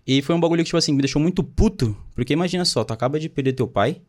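A man's voice: a little high, racing, darkish tone. A young man in his twenties, casually telling his life story in a slangy way, often quoting what others said. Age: 20s. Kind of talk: casual chat.

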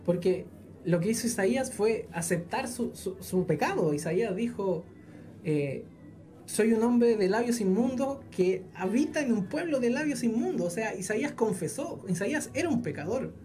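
A woman's voice: medium pitch, expressive, warm tone. A woman who volunteers in a church audio team gives an earnest personal faith testimony, often stopping to restart her sentences. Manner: earnest, halting with many restarts.

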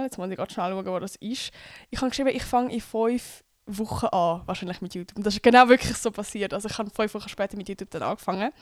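A woman's voice: medium pitch, a little mellow, dry recording, studio quality. A young woman from Switzerland with a Swiss accent, hosting a podcast in a chatty, casual way, full of fillers and English slang words. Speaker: podcast host.

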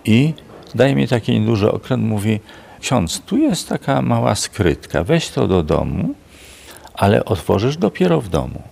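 An older man, a prison chaplain, telling stories in an unhurried, reflective way in a gravelly, husky voice. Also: lowish voice, sing-song, a little mellow. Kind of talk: storytelling in a radio interview.

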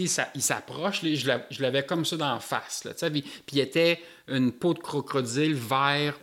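Québécois man telling a wild story. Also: mid-range voice. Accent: Québécois French. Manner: animated storytelling with Quebec slang.

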